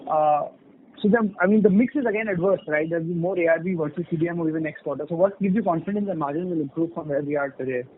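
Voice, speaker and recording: A man asks questions as an analyst on a conference call. His voice is a bit high and quick, heard through a muffled phone line. He rambles and often rephrases midway. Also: a little hiss or hum. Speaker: investor or analyst asking questions.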